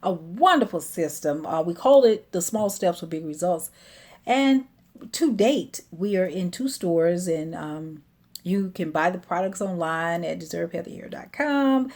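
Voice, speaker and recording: A woman's voice: lowish voice, lively intonation, measured pace, a little mellow. A middle-aged woman, a hair care business owner, telling her personal story in a chatty way with many fillers.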